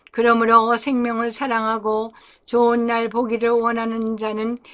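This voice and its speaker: Very slowly, a woman with a fairly high pitch speaks against a quiet background. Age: 70s. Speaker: grandmother reading scripture. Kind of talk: Bible reading.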